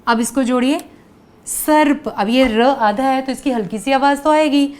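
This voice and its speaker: A woman teacher giving a patient grammar lesson to children, repeating words slowly and asking them to say them with her. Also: high voice, a little mellow.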